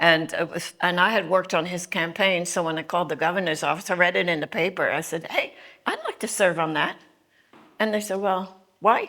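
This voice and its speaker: With a slight Dutch accent, a woman speaks at a fairly quick pace in a bright, sharp tone and a fairly low pitch. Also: fairly even intonation. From Netherlands. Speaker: Holocaust survivor speaker. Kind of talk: testimony talk. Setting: speaking to a club audience.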